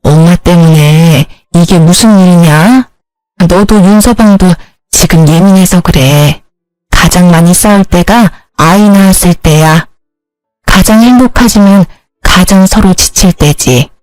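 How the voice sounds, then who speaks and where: A woman voicing a gentle, apologetic older mother who speaks slowly and soothingly. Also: fairly low pitch, no room sound, soft background music, close to an everyday voice, poor audio. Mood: consoling. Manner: soft, slow and soothing.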